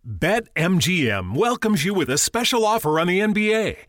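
High, animated male ad announcer. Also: normal speed. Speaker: advertisement announcer. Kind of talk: scripted promotional ad read.

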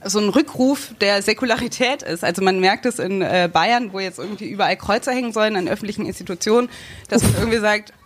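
A young woman talks through her thoughts in a casual discussion, pausing often and restarting her sentences as she feels her way forward. Her voice sits at an ordinary middle pitch. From Germany, raised bilingual. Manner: hesitant, searching for words with many fillers. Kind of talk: casual chat.

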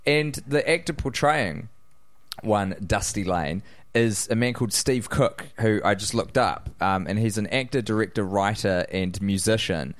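A man co-hosting a casual comedy podcast, chatty and quick to laugh, swearing now and then. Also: on the low side, no room sound. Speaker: podcast co-host.

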